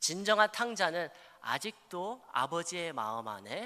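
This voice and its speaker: His voice is high-pitched for a man, with a bright, sharp tone. His pitch swings very widely. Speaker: pastor. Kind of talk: sermon.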